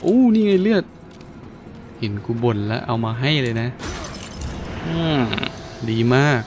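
A man's voice: mid-range voice, big pitch swings, unhurried, slight background noise. A man giving casual gameplay commentary, playful and crude, with slangy talk and frequent exclamations. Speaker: gaming host. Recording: game music behind the voice. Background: game music.

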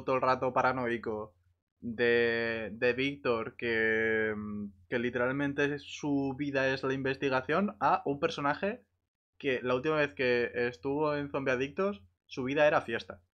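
A man with an accent from Spain chatting casually over a voice call, in a halting way that repeats words. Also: mid-range voice, clean tone. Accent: Spanish from Spain. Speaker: gamer in a voice chat. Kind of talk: casual chat. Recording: slightly dull voice-chat audio.

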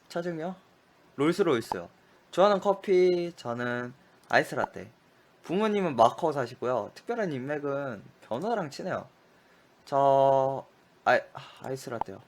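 A man's voice: mid-range voice, fairly bright tone. A man playing a memory quiz game aloud, rattling off short clipped answers and cursing at his own mistakes. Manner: frustrated outbursts and muttered curses at mistakes. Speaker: gaming streamer.

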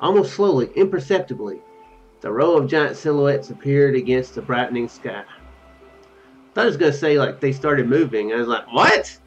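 A young man gives casual let's play commentary, reading on-screen text aloud and drifting into joking asides. His mid-pitched voice moves up and down freely. The recording is a little dull, with music playing behind him. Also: sing-song, normal speed. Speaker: video game streamer. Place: small room at home, indoors. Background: game music.

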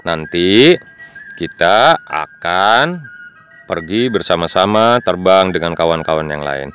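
Piku, a man doing a gentle toy truck. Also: deep voice, expressive, slow, soft background music, voice pushed down, full character voice. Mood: coaxing. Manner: warm, coaxing, speaks to the children. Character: friendly toy pickup truck, gentle big brother. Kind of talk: children's toy storytelling.

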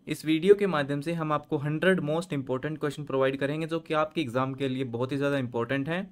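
Man, fairly high voice, voice-over tutor, reads questions then explains answers. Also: fairly quick. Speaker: channel host and tutor. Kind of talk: screen-share quiz lesson. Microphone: voice-over on screen recording.

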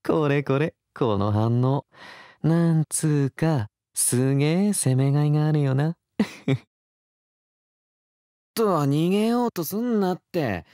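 A slow, teasing young boyfriend. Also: male voice, fairly high pitch, expressive, darkish tone, no echo, clean studio sound. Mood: teasing, cocky. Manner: slow, breathy, teasing, rough casual speech. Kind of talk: intimate audio drama, whispered ear-side roleplay. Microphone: close studio mic, dry.

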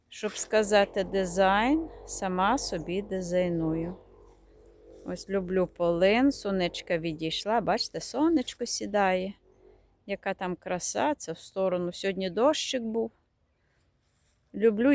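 A woman's voice: mid-range voice, measured pace, slight background noise. A woman chatting fondly as she walks through her garden, showing plants and now and then searching for their names. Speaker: garden vlogger. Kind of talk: casual garden tour vlog. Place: outdoors in a garden.

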